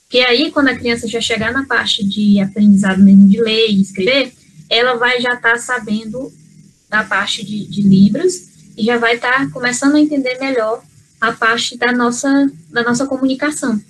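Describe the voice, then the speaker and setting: A woman from Brazil talks on an online panel from home over a video call. Her voice sits a little high, and she speaks in an earnest, halting way, full of fillers and restarts. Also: a little hiss or hum, low-quality recording. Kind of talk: spontaneous talk in an online panel.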